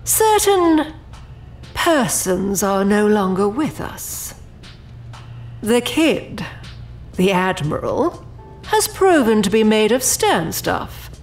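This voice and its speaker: A woman's voice: mid-range voice, sing-song, takes it slowly, long pauses, soft background music. A woman playing a proud, formal, defensive overseer of an infernal project in an audio drama, with haughty, precise diction. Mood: haughty, composed.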